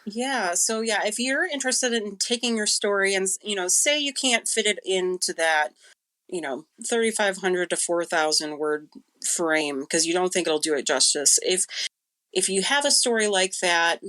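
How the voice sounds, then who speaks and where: A woman's voice: medium pitch, lively intonation, moderate pace, fairly bright tone. A woman chatting casually and explaining things as a guest on a podcast.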